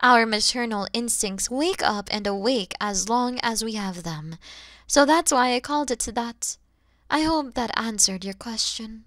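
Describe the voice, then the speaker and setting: Woman acting a huge motherly dragon woman, kind and teasing, ASMR roleplay, high lilting voice, unhurried. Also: fairly bright tone, no echo. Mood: tender, amused. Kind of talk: ASMR audio roleplay addressed to the listener.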